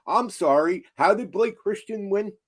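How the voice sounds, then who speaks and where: A man's voice: high-pitched, expressive, measured pace. A man co-hosting a show with casual, wry banter and argumentative commentary. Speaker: show co-host.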